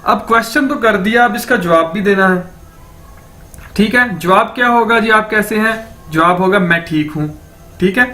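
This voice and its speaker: Man, Pakistani Urdu accent, online tutor; high, bright voice; patient, repetitive, keeps checking in. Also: normal speed. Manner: patient, repeats each word and checks with "ठीक है". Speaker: language teacher. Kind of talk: online language lesson.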